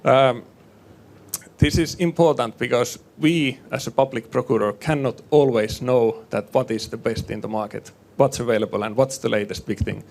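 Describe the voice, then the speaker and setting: A man from northern Finland, a hospital innovation manager, giving a measured panel presentation with frequent fillers into a conference microphone. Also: mid-range voice, fairly even intonation, creaky, a little mellow. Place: conference room with live panel. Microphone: handheld or table microphone.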